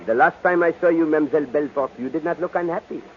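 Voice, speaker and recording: An actor playing a courtly, observant detective in an old radio drama, with a French accent and a theatrical, musing way of talking. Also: male voice, on the high side, quick pace, slight background noise, close to an everyday voice. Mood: gently probing. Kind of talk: 1940s American radio drama acting. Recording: tinny, narrow-band old radio recording.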